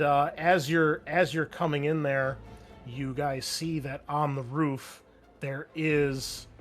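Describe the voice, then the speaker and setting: A man's voice: medium pitch, a bit bright. A man working as game master, narrating and refereeing a tabletop roleplaying game in a casual way.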